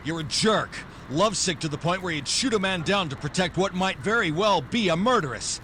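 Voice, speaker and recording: Actor as wisecracking hard-boiled detective, higher-pitched. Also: male voice, lively intonation, fairly quick, pushed and bright, a little hiss or hum. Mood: hard, scornful. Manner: clipped wisecracking, hard-edged delivery. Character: tough, sardonic, threatening male hard-boiled private detective. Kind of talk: 1940s noir radio drama acting, first-person narration.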